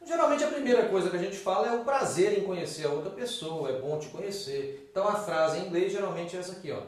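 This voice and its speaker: Lively Brazilian man teaching in an echoey room. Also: high-pitched, far from the mic, soft background music. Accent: Brazilian Portuguese. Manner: lively and opinionated, slows to model English phrases. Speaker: English teacher. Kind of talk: video lesson explaining phrases.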